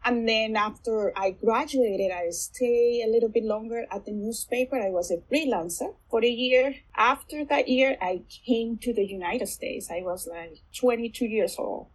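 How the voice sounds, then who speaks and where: Colombian woman with a husky voice. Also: fairly high pitch, moderate pace, few pauses, poor audio. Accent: Colombian Spanish. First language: Spanish. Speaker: guest, Spanish instructor. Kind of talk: conversational interview.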